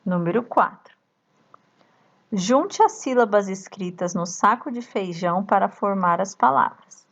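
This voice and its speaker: A woman teacher with a Brazilian accent, slowly reading a workbook lesson aloud to young children and chanting the syllables. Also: medium pitch, expressive, a bit bright, dull audio. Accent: Brazilian Portuguese. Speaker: primary school teacher.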